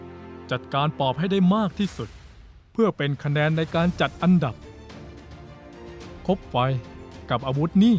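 A man's voice: a little high, animated, a little slow, pauses often, a little mellow, soft background music. An actor playing a commanding, showy male teacher of a mystic guild in a motion-comic drama. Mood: rousing, commanding.

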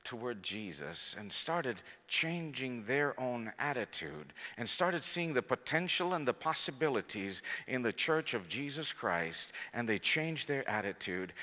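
A man in his thirties with a Finnish accent preaches to a congregation into a handheld mic. His voice is bright and forward, and he tells stories in an animated, chatty way. The long reverb of a large church hall rings behind him. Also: mid-range voice. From Finland. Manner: animated, conversational, gesturing, jokes with the congregation. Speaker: guest preacher. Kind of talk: sermon with storytelling. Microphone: handheld microphone.

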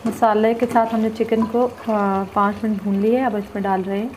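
A woman at her home stove talks viewers through a recipe in a calm, instructive voice at an ordinary pitch. A faint hiss of frying and kitchen noise sits under her voice. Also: moderate pace, rough recording. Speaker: cooking vlogger. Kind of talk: step-by-step cooking narration.

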